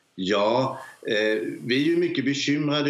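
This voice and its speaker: A man's voice comes with audible room echo. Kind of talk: interview answer. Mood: concerned, measured. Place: home room. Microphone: video call.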